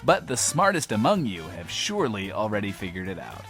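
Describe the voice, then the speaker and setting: A manic, lonely DJ broadcasting from a post-apocalyptic bunker in a comic radio drama. His theatrical, rambling delivery swoops widely in pitch, and he hosts like a showman talking about himself in the third person. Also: huge pitch swings, brisk, a bit bright, faint music behind. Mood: giddy, confiding. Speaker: radio show host.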